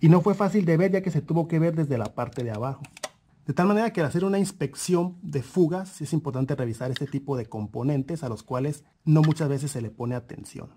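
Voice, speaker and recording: A man's voice: a little high, a little fast, mellow, slight background noise. Methodical man explaining car repairs. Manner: methodical, repeats points, points out parts. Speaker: auto mechanic instructor.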